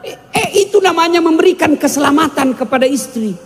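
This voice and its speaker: A man's voice: sits high, lively intonation, moderate pace. A man preaching a humorous sermon, joking with the audience and sometimes breaking into song. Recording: long hall reverb.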